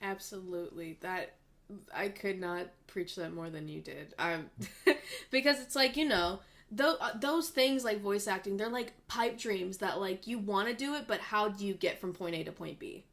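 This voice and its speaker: A woman's voice: mid-range voice, normal speed, fairly bright tone. A young woman in her twenties, a voice actress guest, telling her story in an upbeat, earnest way. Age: 20s. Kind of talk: casual interview chat.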